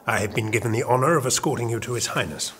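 An actor playing a pompous, smooth-talking chamberlain of a royal court in an audio drama. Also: male voice, medium pitch, very fast, a bit bright, a little hiss or hum, natural voice. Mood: courtly, formal.

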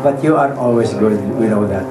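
A man's voice: fairly low pitch, fairly quick. A man with a Filipino accent giving a speech at a community party, mixing Tagalog into his English and speaking into a handheld microphone. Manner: mixes Tagalog into English, warm earnest address. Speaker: event speaker. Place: crowded living room at a party. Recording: roomy, crowd noise behind.

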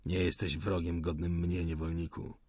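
A hard, bitter dragoon officer, played by a man barks curt questions and cold orders. His voice is low and husky, recorded close and dry. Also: flat delivery, moderate pace, a little mellow, no echo. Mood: contemptuous.

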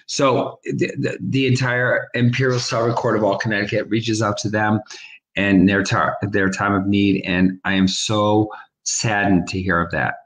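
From a home room over a webcam video call, a man co-hosts a charity livestream, chatting and rapidly calling auction bids again and again. His voice is fairly low and level, and the recording has a roomy echo.

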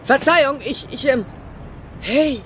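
A man's voice: extremely high pitch, slow pace, fairly bright tone, slight background noise, heavily acted. An actor playing an earnest, eager young male robot inventor in a children's audio play, a little hesitant. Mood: eager, polite. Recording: music behind the voice.

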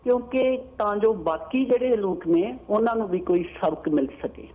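A woman's voice: mid-range voice, moderate pace. Woman, caller, muffled phone line, opinionated, hesitant fillers.

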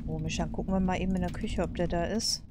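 A woman's voice: on the low side, fairly even intonation, fast talker, background noise. A woman commenting casually on a game, blunt and colloquial, thinking aloud as she plays. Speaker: let's play host. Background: video game ambience.

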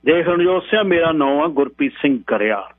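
Guy doing a bossy, menacing cop, raised-pitch voice, sounds like tinny radio with hum. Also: animated, brisk, no echo. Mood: commanding. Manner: bossy, menacing, orders people about. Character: stern middle-aged male police inspector.

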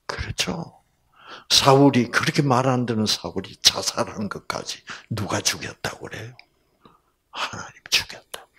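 Before a live audience, a man with a medium-pitched, breathy-edged voice delivers a storytelling Bible lecture. His delivery is slow and animated: he questions the audience, acts out the story's characters, and frequently drops to a whisper.

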